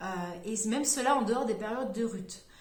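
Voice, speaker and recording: Recorded with noticeable background noise and audible room echo, a woman speaks with ordinary pitch variation. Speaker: sound therapist and shamanic practitioner. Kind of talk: video talk on spiritual symbolism. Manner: halting, stumbling over words.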